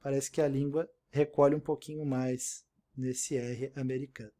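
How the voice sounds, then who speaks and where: A man's warm, mid-range voice delivers a recorded online English lesson in Portuguese, flat in delivery and at a moderate pace. He goes step by step, repeats example words, and keeps checking in with "né?".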